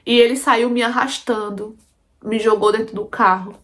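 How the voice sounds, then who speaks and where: Woman, Brazilian Portuguese accent, fairly high voice, emotional first-person story narration, speaks straight to listeners. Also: fairly even intonation, moderate pace, a bit bright. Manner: emotional, intense, addresses listeners as "gente".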